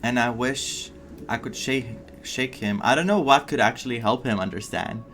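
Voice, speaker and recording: A man's voice: mid-range voice, normal speed, fairly bright tone, slight background noise. A man giving casual, opinionated reaction commentary on a story game, emotionally invested in what he watches. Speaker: game streamer. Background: faint game music.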